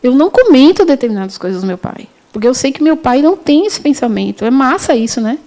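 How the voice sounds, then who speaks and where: A woman's voice: sits high, sing-song, fast, dark tone. A middle-aged woman, a university lecturer telling a story in a spiritist lesson, talking conversationally with restarts and self-corrections.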